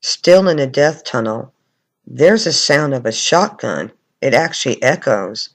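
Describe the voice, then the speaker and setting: A man's voice: medium pitch, lively intonation, a little slow. A man commenting on recordings of spirit voices as a paranormal investigator.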